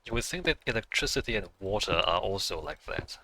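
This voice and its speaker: A man's voice: fairly low pitch, big pitch swings, fairly quick, bright, forceful tone. A man who is not a native English speaker, chatting casually on a game livestream, thinking aloud and musing with small laughs.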